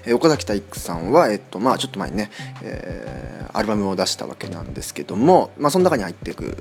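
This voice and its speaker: Lively fast-talking man hosting a podcast. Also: gravelly, faint music behind. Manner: chatty, many fillers, lively rising and falling pitch. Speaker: podcast host. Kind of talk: casual solo podcast talk.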